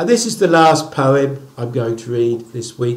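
A man talks at a fairly slow pace, with audible room echo around him. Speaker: children's poet. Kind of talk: poetry reading. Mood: warm, upbeat. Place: kitchen. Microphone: webcam.

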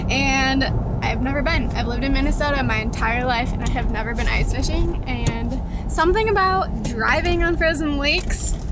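A woman talks at a moderate pace over loud background noise, with a dry sound that has no echo. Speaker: vlogger passenger. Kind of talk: casual vlog chat. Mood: nervous, laughing. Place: car.

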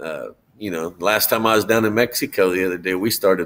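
With an American accent, a man talks, his pitch varying in an ordinary way. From South Texas. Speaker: bobcat hunter and houndsman; guest. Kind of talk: casual chat. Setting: video call live stream. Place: home room.

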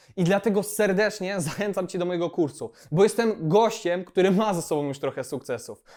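With an energetic tone and ordinary pitch variation, someone speaks at a fairly quick pace, hardly pausing. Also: man, high pitch for a man. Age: 20s. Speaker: mental coach, video host. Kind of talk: sales pitch; motivational talk to camera.

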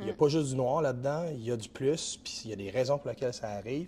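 A man's dark, mellow, somewhat breathy voice at a fairly quick pace, with ordinary pitch variation. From Quebec. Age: 40s. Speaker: entrepreneur, networking group cofounder; podcast guest. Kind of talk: casual interview. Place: studio. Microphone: lapel.

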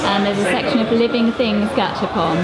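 A woman speaks while a crowd murmurs in the background. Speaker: travel vlogger. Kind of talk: casual vlog chat. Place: shop. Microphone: phone near.

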